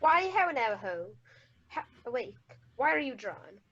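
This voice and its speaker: A woman plays an anxious, startled king in a Shakespeare radio play. The voice is fairly high with lively swings, on a slightly dull recording. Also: a little slow, husky, heavily acted. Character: startled, anxious king searching for a lost son.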